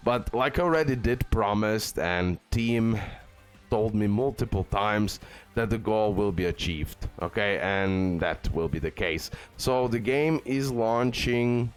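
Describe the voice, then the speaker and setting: Low-voiced man casually hosting a gaming video. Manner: informal, often says bro and okay. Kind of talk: casual game guide commentary.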